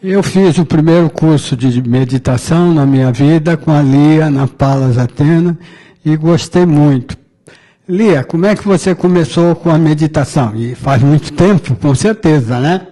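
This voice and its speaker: Friendly male interviewer, mellow voice. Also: a little high, moderate pace. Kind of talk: interview questions.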